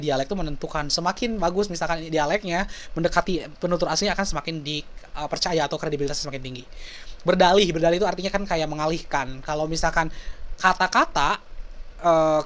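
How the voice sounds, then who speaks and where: A man lecturing in a loose, chatty way, rattling along at a brisk clip. He stumbles, corrects himself and fills the gaps with little hesitations. He speaks to his audience like friends and slips English words in as he goes. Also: high voice. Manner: relaxed explaining with many fillers and self-corrections, dropping in English words; addresses listeners as friends. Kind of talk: casual lecture.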